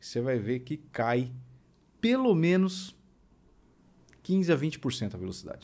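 A man talks at a very slow pace with long, frequent pauses. His pitch swings very widely. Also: fairly high pitch for a man. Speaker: trumpet player and teacher; podcast guest. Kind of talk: interview; interview answer. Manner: moderate volume, conversational. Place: studio. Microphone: studio mic.

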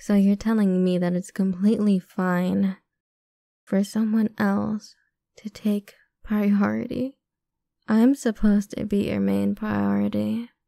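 The tone is playful, with long, frequent pauses at a fairly slow pace. The sound is dry with no echo, against a quiet background. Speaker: ASMR roleplay creator. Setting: solo audio recording, listener addressed as partner. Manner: possessive, domineering, with playful laughs.

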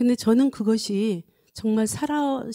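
Over a quiet background, a woman with a fairly high pitch speaks in a dark, mellow tone. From South Korea. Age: 60s. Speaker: former government official and pro-life activist. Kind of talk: testimony-style lecture at a prayer meeting; testimony talk at prayer meeting. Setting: prayer meeting with audience and online viewers. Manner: halting. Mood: earnest, calm. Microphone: handheld.

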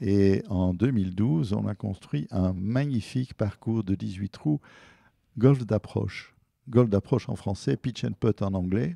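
Speech comes at a very slow pace with ordinary pitch variation and a dark, mellow tone, recorded dry with no echo over a quiet background. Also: man, fairly low pitch for a man. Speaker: golf club vice-president; radio guest. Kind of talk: live radio interview. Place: hall. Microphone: handheld.

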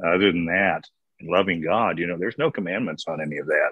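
Very fast and very deep, a man's low voice comes through dry with no echo over a quiet background. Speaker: congregant. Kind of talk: group discussion. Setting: video call. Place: home room. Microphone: video call.

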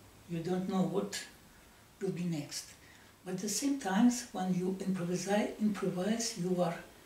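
The speech is fairly slow, with audible echo from the room. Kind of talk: improvised personal monologue. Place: home room. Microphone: camera far.

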